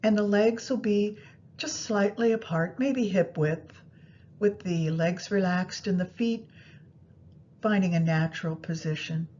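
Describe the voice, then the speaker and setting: A woman guiding a meditation practice in a soothing, unhurried manner, pausing between phrases. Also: darkish tone. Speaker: yoga nidra meditation guide. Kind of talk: guided meditation instruction. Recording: muffled, low rumbling background noise.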